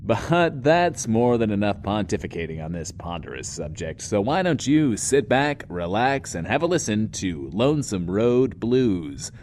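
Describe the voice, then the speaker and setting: An actor playing a lonely, eccentric bunker radio host in an audio drama, theatrical and wordy, muttering self-justifying asides. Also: male voice, fairly low pitch, big pitch swings, a little slow, hardly any pauses, a little mellow, slight background noise. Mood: scheming, defensive.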